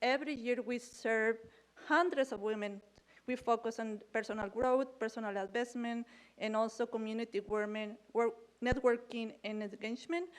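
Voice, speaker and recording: A woman with a Spanish accent, a fairly high pitch, fairly even intonation and a moderate pace. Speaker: community program worker. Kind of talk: conference presentation. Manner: halting.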